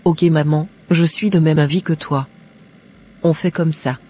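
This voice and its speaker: A woman's voice: low voice, fairly even intonation, measured pace, dark tone, husky, faint music behind. A woman voicing a devout, earnest young Christian woman in a cartoon, speaking in a pious way. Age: young adult.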